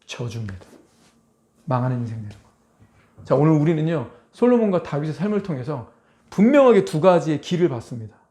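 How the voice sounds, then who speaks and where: A man's voice: on the high side, big pitch swings, brisk, long pauses, dark tone. A male pastor preaching a sermon, emphatic, firing rhetorical questions at the congregation. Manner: acts out quoted voices in dramatic asides.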